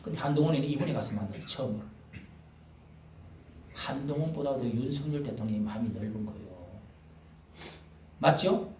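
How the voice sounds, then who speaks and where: An older man preaching a sermon as pastor, talking in a folksy, animated way and acting out the quotes he reads. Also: mid-range voice, fairly quick, pauses often, a little hiss or hum. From South Korea. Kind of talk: expository sermon. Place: church hall. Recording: echoey room, mic at a distance.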